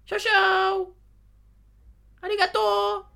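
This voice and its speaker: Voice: extremely high pitch, little pitch movement, very slow, vocal fry, bright, forceful tone, voice pushed up, heavily acted. A comedian voicing a nerdy schoolkid in an exaggerated, singsong mock-foreign voice. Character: squeaky high-pitched nerdy schoolkid.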